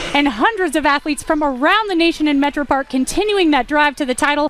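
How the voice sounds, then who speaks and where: Speech at a fairly quick pace with ordinary pitch variation comes through over noticeable background noise. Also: woman. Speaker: sports reporter and anchor. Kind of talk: TV sports news report.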